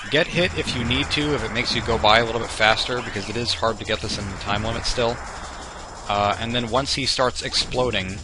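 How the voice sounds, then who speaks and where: A man's voice: mid-range voice, low-quality recording. A young man giving casual, goofy let's-play commentary, joking about himself and tripping over his words, recorded at home on a desk mic. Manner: goofy, self-mocking, stammering restarts. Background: video game music.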